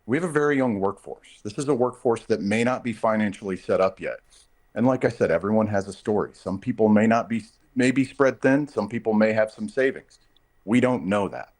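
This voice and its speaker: Low-voiced man, emphatic interview guest. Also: fairly quick, darkish tone. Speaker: air traffic controllers' union representative, interview guest. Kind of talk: live TV news interview, spoken off the cuff.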